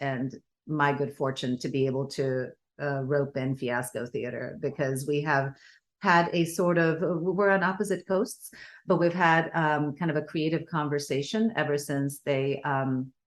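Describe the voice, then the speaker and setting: Speaking fairly slowly against a quiet background, a woman with a Bulgarian accent has a very deep, low pitch and ordinary pitch variation. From Sweden (Stockholm). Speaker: playwright and director. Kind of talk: interview. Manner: halting, many fillers.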